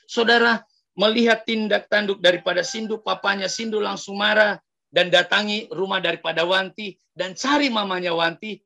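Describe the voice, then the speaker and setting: A male pastor telling a story in an animated sermon, often addressing the congregation directly. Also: high voice, moderate pace, vocal fry. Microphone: livestream sermon mic.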